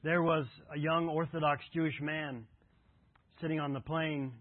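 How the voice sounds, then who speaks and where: A male pastor delivers a sermon with an earnest, storytelling manner. His voice is slightly high and husky. The sound is dry and thin, like it came over a phone line. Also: level tone, normal speed, no echo. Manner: conversational storytelling, earnest exhortation. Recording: tinny phone-like audio.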